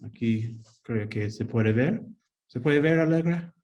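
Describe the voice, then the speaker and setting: Male author on a video call, English native, halting and slow, full of ums. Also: medium pitch, a little mellow, lo-fi sound. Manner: hesitant, many fillers and restarts. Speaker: author presenting his book. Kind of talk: casual virtual presentation.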